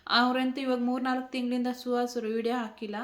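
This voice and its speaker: A woman vlogger speaks in a somewhat high voice, tearful and close to crying. She pleads with her viewers and keeps coming back to the same words. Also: flat delivery, brisk. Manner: pleading, repeating herself, close to tears. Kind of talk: emotional tribute vlog.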